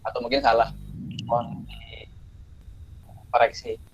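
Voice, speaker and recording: A man's voice: medium pitch, completely flat delivery, unhurried, breathy edge, lo-fi sound. A male student answering hesitantly in an online class, his audio breaking up over the call and asking to be corrected. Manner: hesitant, apologetic, asks to be corrected. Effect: choppy online call audio breaking up.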